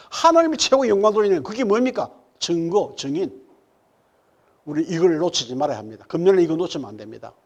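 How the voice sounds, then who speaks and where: A male pastor, preaching a sermon and firing rhetorical questions at the congregation. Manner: swings from loud emphatic peaks to low murmured asides. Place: church sanctuary.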